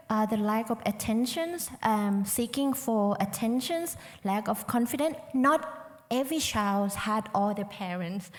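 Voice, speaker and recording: A woman's voice: mid-range voice, in a large hall. A woman panelist answering a question, hesitant with many ums. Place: conference hall.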